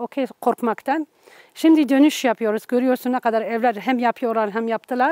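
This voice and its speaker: With a non-native accent, a woman speaks at a moderate pace in a high pitch and a dark, mellow tone, on a very clean recording with a silent background. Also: fairly even intonation. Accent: non-native Turkish, weak. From southeastern Turkey, Midyat area village. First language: Aramaic (Syriac) (speaking Turkish). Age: 50s. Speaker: nun. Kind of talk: personal storytelling interview. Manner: halting, many self-corrections.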